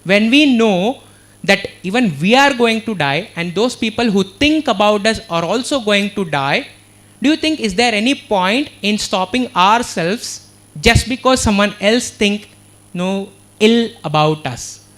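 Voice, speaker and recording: A man with an Indian English accent lecturing students. His voice sits high for a man, and he talks with earnest energy. He keeps tossing checks back to the listeners as he goes. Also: lively intonation, a little slow, a bit bright. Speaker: motivational speaker. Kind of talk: motivational talk to students. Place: university auditorium.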